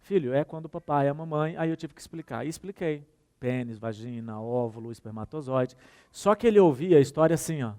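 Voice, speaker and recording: A man's voice: medium pitch, brisk. A man with a Brazilian Portuguese accent giving a workshop talk, telling anecdotes, acting out the dialogue and speaking straight to his audience. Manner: animated storytelling, acts out dialogue; addresses audience directly.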